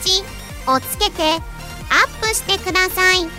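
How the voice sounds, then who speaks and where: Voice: very high-pitched, normal speed. A performer voicing a small cute mascot, reading a scripted announcement in character. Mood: cheerful. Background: loud children's-style music.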